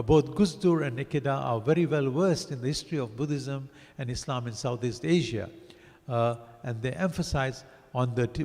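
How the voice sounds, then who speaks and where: A man born in Africa reviewing a book as a lecture, halting with many fillers and restarts. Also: medium pitch, darkish tone. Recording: long hall reverb.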